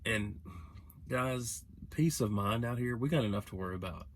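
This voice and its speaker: A man's voice: fairly low pitch, moderate pace. Rambling, earnest male trucker. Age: young adult. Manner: rambling, self-correcting, earnest advice. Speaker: truck driver vlogger. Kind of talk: casual vlog monologue.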